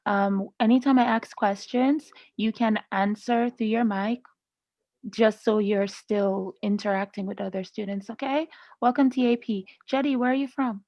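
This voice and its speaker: A woman's voice: mid-range voice, fairly even intonation, moderate pace, darkish tone, no echo. A woman teaching a live online class, chatty and laughing often with students over a video call. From Canada. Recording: slightly muffled dry video-call audio.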